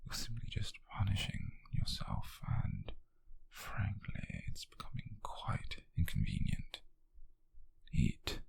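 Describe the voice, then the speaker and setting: A British man playing a wealthy, possessive nobleman who is coolly controlling yet tender, in an intimate ASMR roleplay, with slow, condescending endearments in a husky near-whisper. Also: on the low side, sing-song, dry recording, heavily acted. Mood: cold, insistent.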